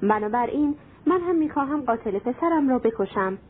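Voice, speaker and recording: A woman's voice: high voice, animated, slightly rough. A woman voicing an ancient, white-haired male jinn who speaks in a threatening, relentless way, over a tinny phone-like line. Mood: menacing.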